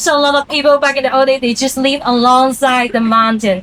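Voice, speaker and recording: A woman with a Hong Kong accent, her voice high-pitched and her pace fairly quick, over noticeable background noise. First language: Cantonese. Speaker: tour guide. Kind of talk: guided walking tour talk. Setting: outdoors. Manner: fast.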